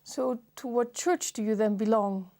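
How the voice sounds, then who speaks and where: A woman hosting an interview, reading a formal introduction and asking measured questions. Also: fairly high pitch, steady tone, dark tone. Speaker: host.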